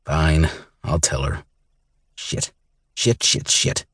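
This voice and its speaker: A weary bounty hunter talks with cool, dry resignation, as a man reads him out. His voice is low and very husky, recorded dry and close for a storybook. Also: animated, takes it slowly, a bit bright, no echo, heavily acted.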